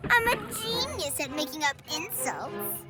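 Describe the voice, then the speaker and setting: Cartoon boy evil genius: very high, swooping voice, vain, theatrical gloating. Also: big pitch swings, a little slow, full character voice. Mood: gloating scheming. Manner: boastful, theatrical. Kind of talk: cartoon villain acting. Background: music.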